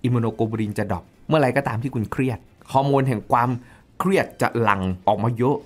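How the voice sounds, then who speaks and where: A man who is a nutrition expert, talking as a guest on a podcast. He explains things in a loose, lecturing manner and drops English technical terms into his speech. His voice sits at a medium pitch. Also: a little fast. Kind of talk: explanatory interview talk.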